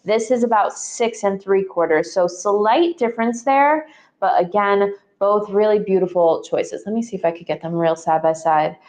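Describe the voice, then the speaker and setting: A woman's voice: medium pitch, moderate pace, darkish tone. A young woman hosting a live jewelry shopping stream, chatty and gushing, with many fillers as she talks. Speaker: shopping livestream host.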